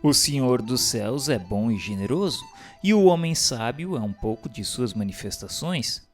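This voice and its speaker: A man's voice: medium pitch, animated. Solemn Brazilian male narrator over music. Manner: formal, measured, declamatory. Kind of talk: solemn scripted spiritual audiobook narration. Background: instrumental music.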